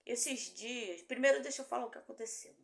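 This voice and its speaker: Speaking fairly quickly with some vocal fry, this middle-aged pastor from Brazil carries a Brazilian Portuguese accent through her sermon. She narrates a story, voicing each person in it with a climbing pitch, and her words bounce around an echoing room.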